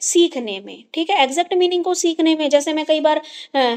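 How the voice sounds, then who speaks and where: A woman is speaking. She has a Haryanvi accent. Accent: Haryanvi tone in her speech. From Haryana, India. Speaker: teacher. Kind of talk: lecture. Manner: conversational, with frequent fillers.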